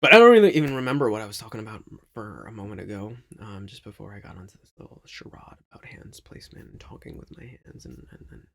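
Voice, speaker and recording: A man talking casually to his audience in a reflective, halting monologue, often checking in with a questioning tag. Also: on the low side, very animated, creaky, fairly bright tone. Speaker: vlog host.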